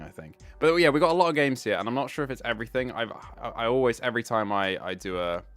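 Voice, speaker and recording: Guy streaming live, lowish smooth voice, faint music behind, kinda rambly. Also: a bit bright. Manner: rambling, fixing tech while talking. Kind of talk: casual live stream chat.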